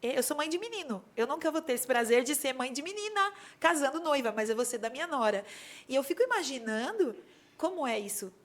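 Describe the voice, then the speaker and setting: A woman guest on an interview podcast, telling stories in a casual, animated way and acting out dialogue in them. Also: high-pitched, a little fast. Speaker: podcast guest, bridal designer. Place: podcast studio.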